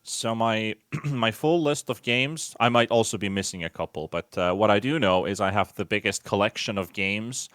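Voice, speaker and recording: A man's voice: fairly low pitch, normal speed, hardly any pauses, a bit bright, no echo, studio quality. A Finnish man in his late twenties with a Finnish accent, chatting casually as a guest about his work and travels. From Finland. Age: 20s. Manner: chatty, self-deprecating, lists things off. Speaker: esports commentator, guest. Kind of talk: casual conversational interview.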